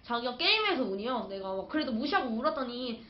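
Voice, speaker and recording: Young woman, chatty and rambling, high lively voice, echoey room. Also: quick pace, dull audio. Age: young adult. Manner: chatty, rambling, full of fillers. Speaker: streamer's partner, guest. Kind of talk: casual storytelling.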